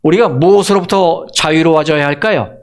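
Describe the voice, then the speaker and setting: A man from Seoul, a pastor, preaching a sermon and asking the congregation question after question, slowing down to stress key words. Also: on the high side. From Seoul, South Korea. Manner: asks the congregation rhetorical questions.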